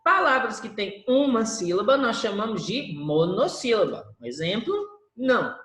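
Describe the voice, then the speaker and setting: A woman's voice: medium pitch, big pitch swings, moderate pace, fairly bright tone. A woman teacher giving a review lesson, drawing out syllables to show word stress. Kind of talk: recorded class review lesson. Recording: echoey room.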